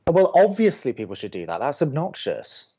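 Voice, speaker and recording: A man's voice: medium pitch, very animated, normal speed, dark tone, lo-fi sound. A man playing an awkward, wry young college radio co-host in an audio drama. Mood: dry, opinionated. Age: young adult. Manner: dry, exasperated, awkward.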